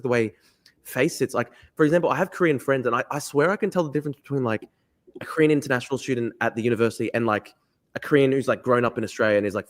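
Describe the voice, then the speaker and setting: A man hosting a podcast interview, rambling in a casual way and filling his speech with "like". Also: medium pitch. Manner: rambling, heavy use of "like". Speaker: podcast host.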